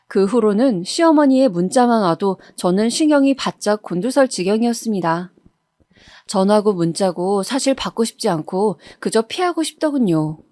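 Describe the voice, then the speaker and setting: A woman reading a first-person true-life story in a steady, even storytelling manner, recorded on a close studio mic. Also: mid-range voice, no room sound.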